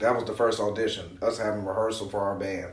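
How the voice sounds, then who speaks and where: A man with an American accent speaks in a fairly low, monotone, flat voice. Room echo is audible. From US Midwest (East Chicago, Indiana), later West Virginia. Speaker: touring keyboard player. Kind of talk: casual interview chat.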